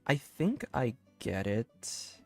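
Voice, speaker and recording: A man's voice: mid-range voice, very animated, slow, warm tone. A man casually commentating on a live game stream and reading bits of on-screen text aloud. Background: game music.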